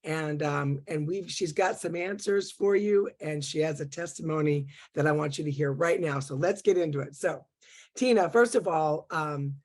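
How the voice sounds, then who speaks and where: A woman's voice: sits low, normal speed, darkish tone. A woman hosting a Christian interview show, upbeat and chatty with many fillers. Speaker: host.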